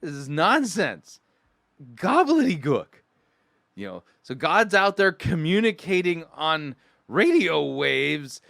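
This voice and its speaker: High-pitched, scornful male commentator. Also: gravelly, fairly bright tone, dry recording, studio quality. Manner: scornful, sarcastic, acting out mock quotes. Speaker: host of a sermon critique show. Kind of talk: mocking commentary on played sermon clips.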